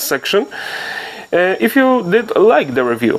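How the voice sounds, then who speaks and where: Amid noticeable background noise, a man with a Polish accent speaks at a moderate pace. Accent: Polish accent, non-native English. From Poland. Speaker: toy collector and reviewer. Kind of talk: product review. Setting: at a review table. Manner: halting, with fillers.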